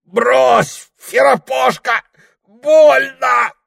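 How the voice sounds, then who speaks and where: A man voicing a wild-tempered drunk who mutters hoarsely and then shrieks in panic. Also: lowish voice, expressive, unhurried, a bit bright. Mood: shrieking.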